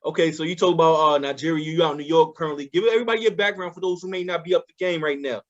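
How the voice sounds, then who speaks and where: A man's voice: on the high side, rapid-fire, a bit bright, dull audio. A man hosting a radio interview in a studio, talking in a hyped, slangy, eager way. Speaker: radio host.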